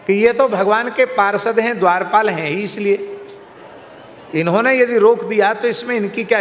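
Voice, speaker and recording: A man delivering a religious discourse, telling stories and anecdotes to his listeners. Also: sits high. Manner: storytelling, lively anecdotes. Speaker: katha preacher. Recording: reverberant hall, faint noise.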